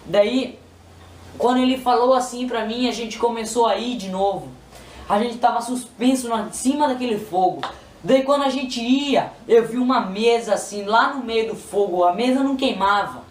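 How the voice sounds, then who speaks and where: Heard from a distance in a roomy space with faint noise, a Brazilian man speaks with a Brazilian Portuguese accent in a very high-pitched voice at normal speed. He is giving a religious testimony, retelling it emotionally, pleadingly, and repetitively.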